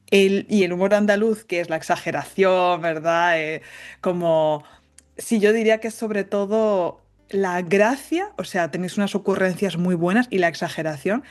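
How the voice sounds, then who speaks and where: A woman's voice: medium pitch, a little mellow. Chatty Spanish woman with a light La Mancha accent. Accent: light Castilian Spanish from La Mancha. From Spain. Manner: clearly articulated, joking and chatty. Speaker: podcast guest, Spanish teacher. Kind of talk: casual conversational interview.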